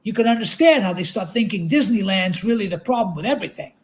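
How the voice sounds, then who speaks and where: A man reading aloud as a chatty, folksy state trooper who is quietly suspicious and leans on pointed questions. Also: high voice, lively intonation, quick pace, voice pushed up. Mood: folksy griping. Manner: insistent rhetorical questions. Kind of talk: dramatic literary reading.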